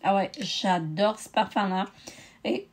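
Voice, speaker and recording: A woman's voice: medium pitch, takes it slowly. Tired woman with hesitant chat. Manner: hesitant, many euh fillers. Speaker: beauty vlogger. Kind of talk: casual haul video.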